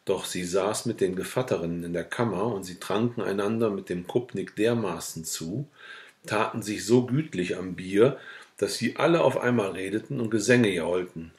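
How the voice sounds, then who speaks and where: Male audiobook reader, fairly low voice, steady and calm narration of a classic novel. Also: normal speed. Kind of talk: reading a classic novel aloud.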